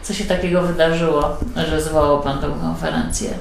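Female interviewer, level delivery, gravelly tone, long questions; echoey room. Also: deep voice, normal speed. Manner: steady, flat delivery with long winding questions and frequent back-channel murmurs. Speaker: interviewer, local newspaper host. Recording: echoey office room, faint background hum.

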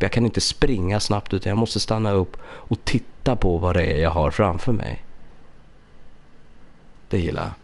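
A man with a low, slightly congested voice streams a puzzle game and thinks aloud as he works. He chats casually with his viewers, close to a USB studio microphone. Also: darkish tone. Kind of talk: casual live-stream commentary.

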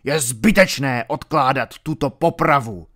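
A man's voice: medium pitch, lightly acted. A man reading an audiobook, voicing a furious, impatient Norman baron who barks his orders. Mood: harsh. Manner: barking, loud and angry.

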